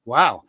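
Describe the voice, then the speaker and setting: A man with a sore, hoarse throat, hosting a casual livestream and rambling chattily as he browses. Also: pushed and bright, dry recording, studio quality. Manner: chatty, rambling, thinks aloud while browsing. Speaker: livestream host.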